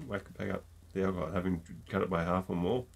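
A man's voice: low voice, steady tone, quick pace, vocal fry. A middle-aged man with a stuffy nose from a cold, chatting jokily to camera from a room at home, close to a desk mic. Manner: chatty and jokey, with many ums. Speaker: gin reviewer. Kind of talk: casual tasting chat to camera. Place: home room with shelves of bottles.

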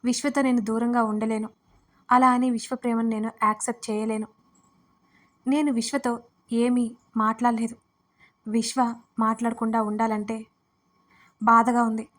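A woman voicing a young woman torn between friendship and love, speaking with halting, tearful words in an audio story. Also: a little high, little pitch movement, lightly acted.

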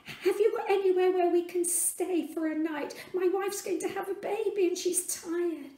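A woman's voice: very high-pitched, normal speed, dark tone, far from the mic, voice pushed up. A woman voicing Joseph, a worried, polite young man pleading for somewhere to stay. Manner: pleading, fretful. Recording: roomy echo.

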